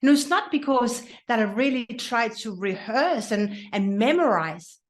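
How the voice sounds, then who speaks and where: Danish woman host, second-language speaker, earnest podcast monologue, higher pitch. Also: animated, unhurried. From Denmark. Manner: earnest, with frequent restarts and repetitions. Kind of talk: casual solo podcast talk.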